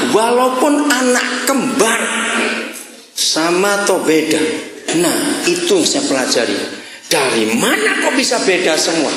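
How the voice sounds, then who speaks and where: A man's voice: fairly high pitch, fairly bright tone, slight background noise. A middle-aged man preaching a sermon. He tells stories with a lot of animation, acts out the dialogue and keeps asking the congregation questions. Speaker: pastor. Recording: echoey hall, live congregation.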